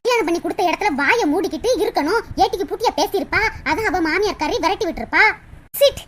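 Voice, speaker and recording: An actor voicing a sharp-tongued young wife who scolds and complains with scorn in a cartoon. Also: extremely high pitch, lively intonation, slight background noise. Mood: scornful. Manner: fast nagging complaints, scornful.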